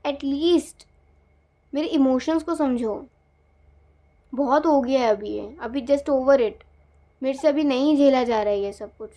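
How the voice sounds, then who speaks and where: A woman's voice: sits high, slow, pauses often, dark tone. A woman voicing an exasperated pleading husband. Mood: frustrated pleading. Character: frustrated pleading husband, young man.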